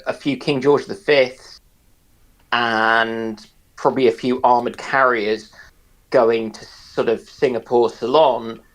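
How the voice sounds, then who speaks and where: A man in a casual panel chat, explaining things haltingly and circling back over his phrases. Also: medium pitch, rough recording. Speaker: discussion panellist.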